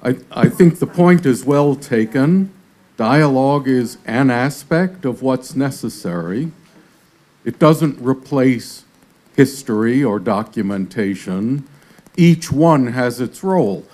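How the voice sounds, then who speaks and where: A male panelist answers slowly and deliberately. He weighs each phrase with care, speaking in a conference hall. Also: medium pitch, animated, a little mellow. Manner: measured, deliberate. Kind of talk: panel discussion reply.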